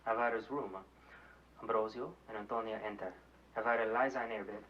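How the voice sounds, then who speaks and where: A man's voice: on the low side, fairly even intonation, a little fast, a little hiss or hum, close to an everyday voice. An actor playing a man who reads out screenplay stage directions in clipped, matter-of-fact phrases, in muffled film audio. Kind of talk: scripted reading of stage directions.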